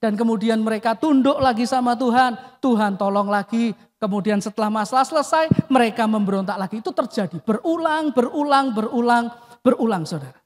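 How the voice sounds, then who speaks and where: A man's voice: very high-pitched, fairly quick. Man, pastor, emphatic sermon, addresses congregation often, voice falls at phrase ends, church hall, long reverb.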